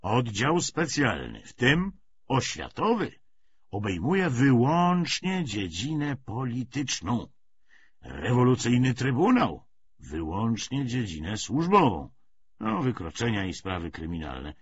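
A man voicing a self-assured, commanding political commissar who lectures emphatically and deliberately in an audiobook. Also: mid-range voice, very animated, husky, highs cut off, exaggerated voice. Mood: brisk, official. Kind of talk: audiobook character dialogue.

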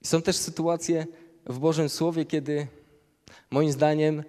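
A man's voice: fairly high pitch, level tone, slow pace, warm tone. A man preaching a sermon, reading Bible passages aloud and explaining them verse by verse. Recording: long hall reverb.

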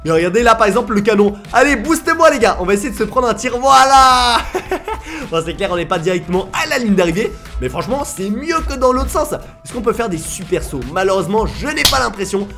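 A young man gives energetic gameplay commentary, often shouting and laughing as he talks to viewers. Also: high-pitched, fairly quick, faint music behind. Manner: excitable, shouts and laughs often, addresses viewers as "les gars". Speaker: gaming YouTuber.

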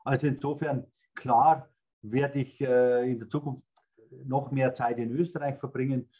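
An older man with a Bavarian accent, a guest on a video-call interview, telling lively stories about his plans. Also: medium pitch, measured pace. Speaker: guest, speaker agency founder. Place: indoors, in front of a red stage curtain backdrop.

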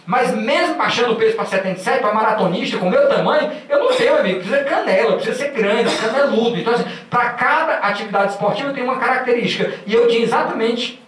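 A quick-talking man with a Northeastern Brazilian accent and a fairly high voice, energetic and joking as he walks the stage with a handheld mic. His voice rings through a large, echoing auditorium, picked up from some distance away. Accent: Northeastern Brazilian Portuguese. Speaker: motivational speaker. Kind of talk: motivational talk. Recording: echoey hall from far off.

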